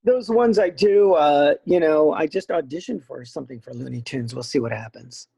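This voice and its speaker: A middle-aged man with a raspy voice, a voice actor chatting as a podcast guest in an animated, rambling way. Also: fairly high pitch, moderate pace. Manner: animated, rambling with many fillers. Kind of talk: casual podcast interview.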